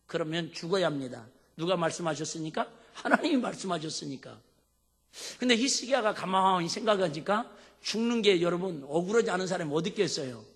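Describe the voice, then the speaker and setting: A man's voice: high-pitched, expressive, fairly quick, a bit bright, slightly rough. A male pastor preaching a sermon, emphatic and asking the congregation questions. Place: church sanctuary. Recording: long hall reverb.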